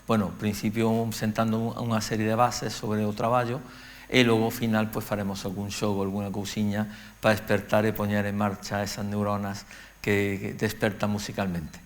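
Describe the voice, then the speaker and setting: A middle-aged man with an Andalusian accent gives a public lecture on music education, speaking in a measured way with frequent pauses. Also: lowish voice, completely flat delivery. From Andalusia, Spain.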